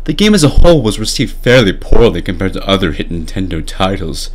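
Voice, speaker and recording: A man's voice: sits low, very animated, a little fast, a little hiss or hum, voice pushed down. A young man voicing a self-satisfied, oblivious game director in a mocking, pompous dramatic reading.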